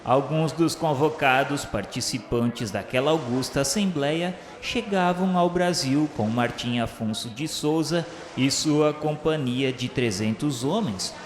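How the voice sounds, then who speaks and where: A man with a Brazilian Portuguese accent reads a religious radio drama narration in a formal, solemn, measured way. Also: mid-range voice, slight background noise. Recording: roomy reverberant sound with music underneath. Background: music.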